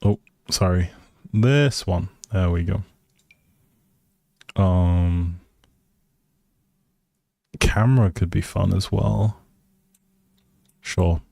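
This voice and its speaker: A man with a lowish, soft-edged mellow voice streams a game and chats casually to his viewers. He rambles amiably, thinking out loud as he plays. The sound is close and dry, with almost no room on it. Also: very slow, gravelly, pauses often, no room sound. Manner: friendly rambling, thinking aloud. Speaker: live streamer playing a life simulation game. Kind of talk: casual gameplay chat with viewers.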